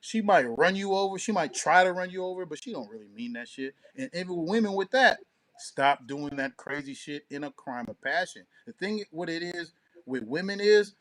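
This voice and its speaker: A man's voice: on the high side, expressive, moderate pace, fairly bright tone. A man co-hosting a talk show in casual, opinionated discussion, with a slangy and profane way of talking.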